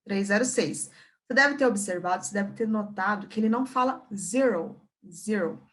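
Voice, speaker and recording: A woman's voice: mid-range voice, moderate pace, a bit bright. A woman with a Brazilian Portuguese accent teaching an English lesson, patiently repeating words and checking in with her students.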